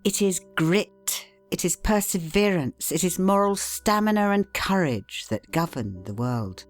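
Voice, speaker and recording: Reading an old self-help book aloud, this female narrator uses a remarkably deep voice and a careful, deliberate pace. She gives weight to key words and pauses steadily for effect, with soft instrumental music running quietly in the background.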